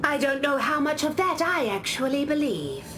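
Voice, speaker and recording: An actress voicing an aloof, scholarly tribal warrior spirit in a video game, speaking in a measured, reflective storytelling way. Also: female voice, sits high, very animated, very noisy. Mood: guarded, reflective. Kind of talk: scripted game character monologue. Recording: game music behind the voice.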